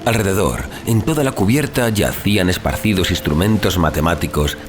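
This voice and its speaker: A man narrating a horror audiobook in a measured, solemn, theatrical manner, as a dramatic scripted reading. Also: sits low, lively intonation, noisy background. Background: music.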